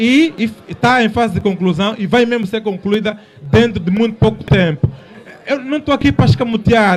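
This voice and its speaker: Noticeable background noise sits behind a man's high voice. He talks at a moderate pace with ordinary pitch variation. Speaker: political debate panelist. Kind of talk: heated debate. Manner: halting, repeats words.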